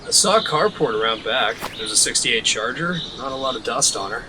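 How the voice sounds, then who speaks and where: A man's voice: medium pitch, lively intonation, brisk, natural voice. An actor playing a blunt, determined younger man in an audio drama, talking in a dry, matter-of-fact way. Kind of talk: naturalistic audio drama dialogue. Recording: noisy ambient sound bed.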